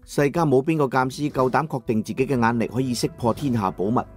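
A man narrating a first-person audiobook novel in a measured storytelling manner, over soft background music. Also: mid-range voice. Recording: dry studio with soft music.

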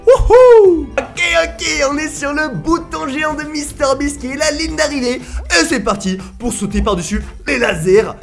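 A young man gives energetic gameplay commentary, often shouting and laughing as he talks to viewers. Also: extremely high pitch, normal speed, gravelly, hardly any pauses, faint music behind. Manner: excitable, shouts and laughs often, addresses viewers as "les gars". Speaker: gaming YouTuber.

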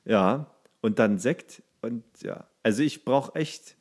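A man's voice: medium pitch, animated, slow pace, darkish tone. A man co-hosting a podcast in casual chat, joking and teasing, laughing at his own jokes. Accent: German. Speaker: podcast co-host.

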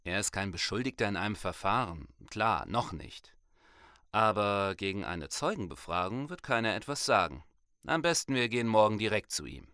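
Low-voiced weary male detective. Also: animated, normal speed, bright, forceful tone, clear, resonant tone, no room sound, studio quality. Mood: wry, focused. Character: weary male police detective, methodical and dryly wry. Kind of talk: German audio drama acting, conversational.

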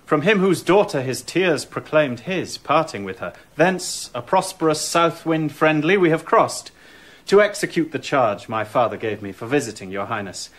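An actor playing a young prince in a radio drama, speaking with formal, measured courtesy. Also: male voice, a little high, expressive, fairly bright tone. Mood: courteous.

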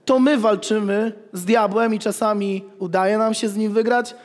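A man in his thirties, a pastor, preaching an animated sermon with jokes, at a pulpit in a church hall. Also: sits high, normal speed. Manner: animated, gestures while preaching, jokes with the congregation. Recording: long reverb of a church hall.

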